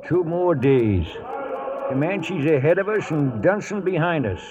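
An actor playing a folksy old cowhand with an American accent, narrating a cattle drive in rustic, ungrammatical Western speech in a radio western. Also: male voice, a little high, animated, measured pace, crowd noise. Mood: storytelling. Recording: muffled vintage radio recording with music.

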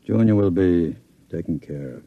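A scheming gangster boss, low-voiced and sardonic, with a lively, swinging delivery. Dry and close to the mic. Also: male voice, moderate pace, no room sound, narrow, tinny audio. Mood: smooth. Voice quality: smooth, menacing and sardonic. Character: cold, scheming male gang boss. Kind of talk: 1940s radio acting.

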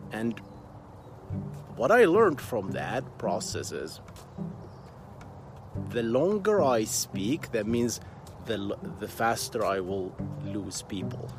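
A slow-talking man, chatting to camera about his work. His low-ish voice swings widely up and down as he restarts and repeats words. Music plays underneath him throughout. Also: sing-song. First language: Arabic. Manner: halting, repeats words, many fillers. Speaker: software engineer and YouTuber. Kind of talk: casual talk to camera.

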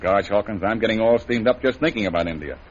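An actor playing a confident, easygoing adventurer hero in an old radio drama. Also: male voice, lowish voice, fast talker, lightly acted. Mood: steady. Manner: steady, easygoing, assured. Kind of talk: 1930s radio acting. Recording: dull old radio recording with faint hiss.

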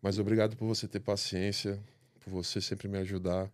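A young man with a Brazilian Portuguese accent chats on a podcast in relaxed, slang-filled speech. His voice sits on the low side. He tells personal stories with open feeling. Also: a little fast. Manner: slangy, heartfelt storytelling. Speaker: bodybuilder guest. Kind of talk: casual podcast chat.

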